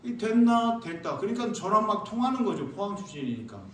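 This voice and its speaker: Animated pastor in an echoey church. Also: male voice, high voice, fast, slight background noise. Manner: animated, acts out church members and sings hymn lines. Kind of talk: sermon with storytelling. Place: church sanctuary. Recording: echoey church hall, mic from far off.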